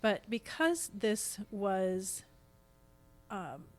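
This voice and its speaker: A woman's voice: medium pitch, big pitch swings, very slow, soft background music. An American woman in her fifties talking casually as a podcast guest, explaining things with examples. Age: 50s.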